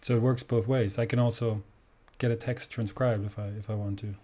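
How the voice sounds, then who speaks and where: German male host, native German speaker, mellow timbre, enthusiastic casual interviewer. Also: on the low side, fairly even intonation, a little fast. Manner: enthusiastic, says "awesome" often.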